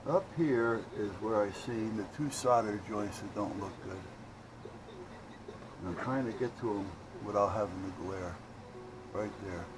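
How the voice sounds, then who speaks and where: Man, middle-aged or older, lowish pitch, rambling repair vlog, thinking aloud, noisy humming recording. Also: unhurried. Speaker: electronics repair hobbyist showing his work. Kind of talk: casual unscripted repair vlog.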